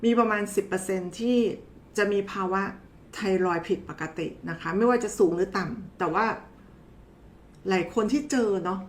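A woman's voice: medium pitch, moderate pace, slight background noise. A woman doctor giving a casual, chatty health explainer, talking to viewers in a familiar, teasing way. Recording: roomy echo.

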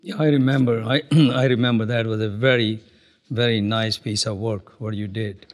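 An older man interviewing a former colleague, asking measured, friendly questions in a studio. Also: lowish voice, steady tone. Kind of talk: oral history interview. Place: dark studio set, indoors.

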